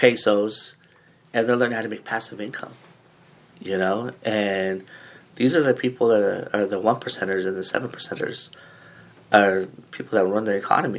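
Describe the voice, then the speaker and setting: Over noticeable background noise, a man with an American accent speaks at a moderate pace with long, frequent pauses. His pitch is fairly low and his intonation fairly even. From Philippines, raised in the US. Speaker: entrepreneur. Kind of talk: interview.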